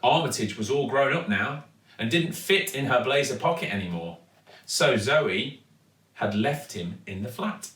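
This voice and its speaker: Give me a male storyteller with a bright, dramatic delivery for children, recorded in an echoey room. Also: mid-range voice, animated, slight background noise. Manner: dramatic, deliberate emphasis. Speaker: actor reading a children's story. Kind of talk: expressive storybook narration. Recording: echoey room, distant microphone.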